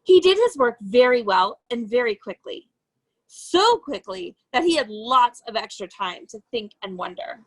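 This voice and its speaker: High-pitched woman reading a storybook aloud. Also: low-quality recording. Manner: expressive, deliberate phrasing with emphasized key words. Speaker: educator reading a children's book aloud. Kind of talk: children's storybook read-aloud.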